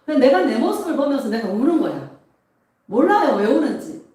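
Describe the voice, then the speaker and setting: Woman pastor preaching, mellow voice with lively swings in pitch, big echoey hall, mic a bit far. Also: a little fast. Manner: emotional, animated preaching with laughs. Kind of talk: sermon. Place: church sanctuary.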